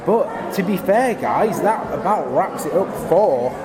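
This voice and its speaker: A man's voice: sits high, expressive, unhurried. A man with a Yorkshire accent co-hosting a wrestling preshow, chatting loosely with fillers and restarts. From South Yorkshire, England. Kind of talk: casual panel chat. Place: wrestling arena, indoors. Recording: loud arena crowd and music behind. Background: loud crowd and music.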